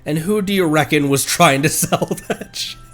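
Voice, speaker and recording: A man livestreaming a game with casual commentary, thinking aloud in a halting way. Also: on the high side, faint music behind.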